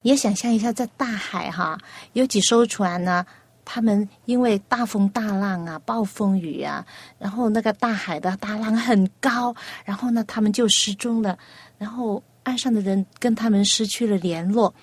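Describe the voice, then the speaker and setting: A woman hosting a children's radio program, asking a young guest patient, coaxing questions and telling a gentle story. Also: medium pitch, normal speed, breathy edge, no echo.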